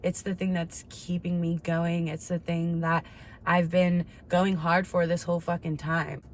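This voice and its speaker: A woman's voice: lowish voice, level tone, measured pace. A woman in her twenties talking candidly in a casual confessional chat, slangy and swearing freely. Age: 20s. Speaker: vlogger. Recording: clear background ambient noise.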